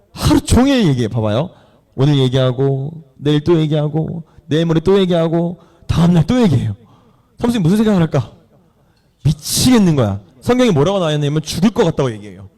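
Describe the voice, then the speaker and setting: A man's voice: on the high side, mellow. A man preaching a sermon in church, retelling a story with playful questions to the congregation and acted-out voices. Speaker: pastor.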